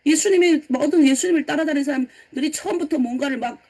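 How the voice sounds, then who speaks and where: A woman pastor from North Korea preaches in a high voice with a North Korean accent. She is middle-aged and keeps the talk lively, putting questions to her listeners and answering them herself. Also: quick pace. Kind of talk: early-morning sermon lecture.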